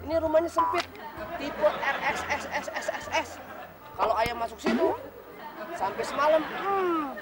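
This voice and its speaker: A man playing a doting, playful husband cooing to his pet rooster in a TV comedy. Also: high-pitched. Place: outdoor garden.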